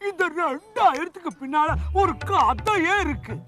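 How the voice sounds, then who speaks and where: A woman's voice: sits high, lively intonation, measured pace, over loud music. A woman acting in a comedy sketch, telling long stories that end in punchlines. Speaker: storyteller father figure in a sketch.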